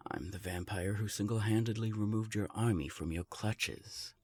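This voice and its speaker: Man playing a smug, very deep ancient vampire. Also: a little mellow, husky. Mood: commanding, self-assured. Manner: taunting, unhurried, self-assured. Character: smug, ancient, powerful male vampire enforcer. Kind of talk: scripted audio drama acting.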